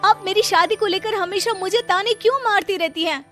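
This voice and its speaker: A woman voicing a firm, self-respecting young unmarried teacher in an animated story. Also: very high voice, fairly quick, soft background music, voice pushed up. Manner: firm, defensive.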